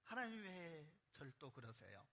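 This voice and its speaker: Moses, hushed and anguished, from a pastor. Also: male voice, fairly high pitch, big pitch swings, a little slow, creaky, exaggerated voice. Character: weeping, despairing old man Moses.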